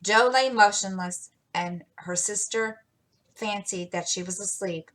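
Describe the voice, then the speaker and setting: A woman reads a classic novel aloud for her story-time show. She keeps a steady, unhurried pace with a few small slips. Her voice sits in the middle of the range. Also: medium pitch, low-quality recording.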